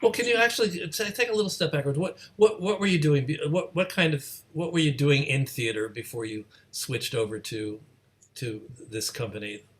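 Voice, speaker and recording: Halting male interviewer on a video call. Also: a little high, a bit bright. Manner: halting, repeats and rephrases questions. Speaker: host of an online gathering. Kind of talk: conversational interviewing.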